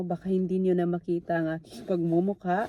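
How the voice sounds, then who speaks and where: A soft-spoken woman talks at a moderate pace and a medium pitch. Her tone is dark and mellow. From Philippines. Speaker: vlogger. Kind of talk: casual vlog talk. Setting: in a car.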